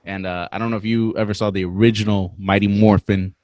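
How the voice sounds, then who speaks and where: A man in his twenties casually telling a story on a podcast, animated and slangy, swearing freely. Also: fairly low pitch, quick pace, dry recording, lo-fi sound. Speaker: podcast guest.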